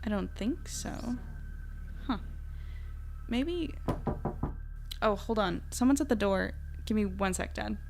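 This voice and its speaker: A woman's voice: medium pitch, animated, slow, gravelly, long pauses, noisy background. An actress playing a guarded young woman in a naturalistic audio drama, hesitant and understated. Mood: puzzled. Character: guarded young woman, new in town, independent.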